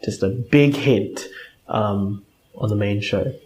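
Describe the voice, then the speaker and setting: A man's voice: fairly low pitch, takes it slowly, darkish tone, rough recording. A man co-hosting a podcast in casual chat, hesitant and full of fillers as he steers the segment. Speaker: podcast co-host.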